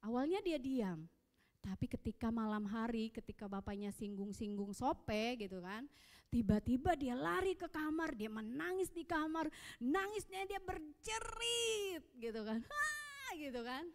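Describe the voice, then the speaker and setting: A woman in her thirties with an Indonesian accent, preaching at a youth service and telling personal stories in a lively way. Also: high-pitched, unhurried. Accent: Indonesian, Samarinda. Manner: lively storytelling, acting out dialogue. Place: church hall. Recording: long echo of a church hall.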